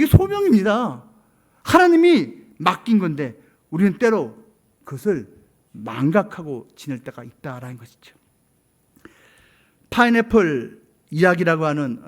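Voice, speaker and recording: A male pastor preaching a sermon and telling a story, swinging from loud exclamations to near-whispers. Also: fairly high pitch.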